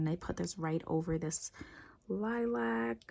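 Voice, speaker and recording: A quiet woman's voice, fairly low in pitch and dark and mellow in tone, at a moderate pace. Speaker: beauty vlogger. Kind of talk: makeup review vlog. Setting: at home, bathroom vanity. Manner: quiet, low voice; casual, filler-heavy.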